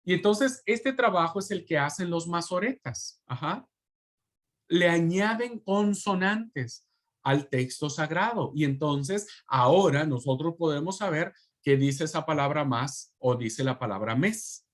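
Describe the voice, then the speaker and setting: A man teaching a Bible history class, speaking slowly and haltingly, repeating words and addressing students as brothers. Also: on the high side, expressive. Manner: slow, halting, repeats words and asks rhetorical "¿no?"; calls listeners "hermanos". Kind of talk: online class lecture.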